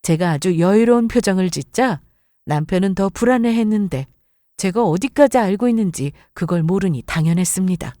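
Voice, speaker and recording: Expressive woman narrating a story. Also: mid-range voice, fairly quick, no echo, studio quality. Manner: expressive storytelling, first person.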